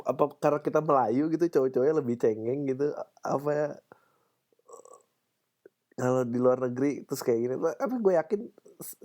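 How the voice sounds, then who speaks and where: A young man hosting a casual solo podcast, playful and quick to laugh, sometimes mimicking other people's voices. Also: medium pitch, warm tone. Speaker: podcast host.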